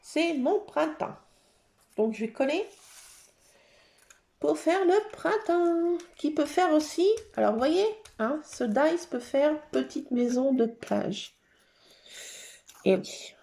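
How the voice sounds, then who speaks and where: A woman hosting a casual craft session, chatting to her viewers and thinking aloud as she works, with sudden bursts of excitement. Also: high voice, slow, vocal fry, pauses often. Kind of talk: casual craft tutorial chat.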